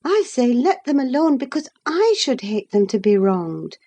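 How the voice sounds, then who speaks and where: Woman doing haughty young lady, emphatic, high and lively, for a storybook reading. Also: normal speed, full character voice. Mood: scornful. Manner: emphatic, cutting, declamatory. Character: proud, scornful young noblewoman, emphatic. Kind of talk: audiobook dialogue reading.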